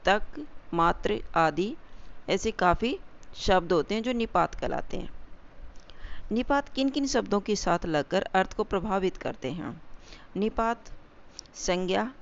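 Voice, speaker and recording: A woman teaching a grammar lesson, explaining slowly and deliberately and repeating example sentences. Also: medium pitch, lo-fi sound.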